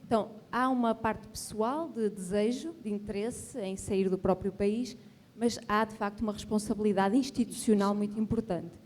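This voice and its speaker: A woman's voice: medium pitch, normal speed, a little mellow. A woman from Portugal with a European Portuguese accent, a professor speaking formally and reflectively from the audience at a panel. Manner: formal, reflective, with frequent tag questions. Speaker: graduate professor asking a question.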